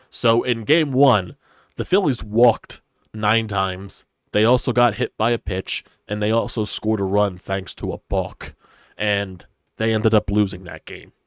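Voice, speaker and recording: A man's voice: on the low side, no room sound, studio quality. Congested man on a sports stream. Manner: rambling, opinionated, swears casually. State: congested, stuffy nose. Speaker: sports podcast host. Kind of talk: casual solo sports talk stream. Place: hot stuffy room at home.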